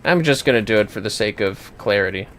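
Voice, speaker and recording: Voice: mid-range voice, lively intonation, fast, a bit bright, slight background noise. A streamer casually commenting on an online fantasy game, muttering to themself and swearing lightly. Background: game music.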